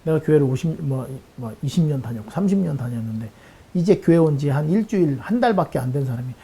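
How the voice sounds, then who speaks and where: A male pastor delivers a Bible lesson sermon in a gravelly, husky voice with a dark, mellow tone. His pitch swings widely as he preaches. He acts out the lines he quotes. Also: animated, fast talker.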